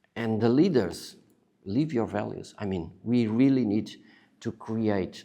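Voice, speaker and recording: In a Portuguese accent, a man talks at a fairly slow pace with a dark, mellow tone, medium pitch and ordinary pitch variation. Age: 60s. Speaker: business leader. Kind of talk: interview. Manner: halting.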